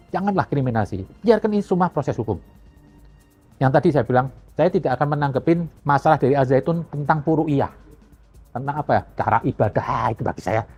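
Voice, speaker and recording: A man's voice: a little high, darkish tone, breathy edge. A man giving a blunt, mocking opinion monologue on a religious controversy. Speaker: religious commentator. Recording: lo-fi with faint music.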